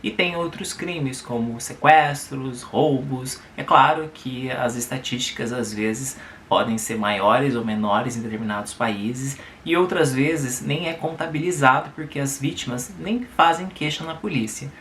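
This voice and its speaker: A Brazilian man speaks with a Brazilian Portuguese accent, his voice bright and forward. He talks casually to his viewers and often adds little tag questions. The room around him echoes, and there is a faint hiss underneath. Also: medium pitch, measured pace, few pauses. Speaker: YouTube host. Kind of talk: reading and commenting on a viewer's letter.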